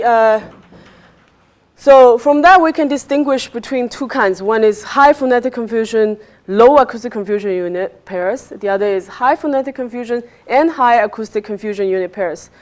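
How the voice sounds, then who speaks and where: A woman giving a technical research talk, explaining step by step and often checking with a quick "right?". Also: fairly high pitch. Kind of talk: technical lecture with questions from listeners.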